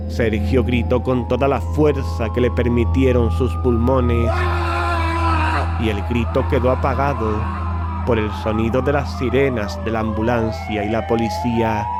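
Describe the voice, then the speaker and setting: A man reading scripted, dramatic horror narration as the narrator of an audio drama. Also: mid-range voice. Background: loud music.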